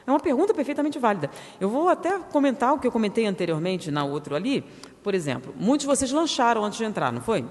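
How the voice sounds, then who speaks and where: A woman's voice: medium pitch, darkish tone. A woman giving a public spiritist lecture, firing rhetorical questions at the audience and acting out their objections. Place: lecture hall of a spiritist center. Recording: reverberant lecture hall.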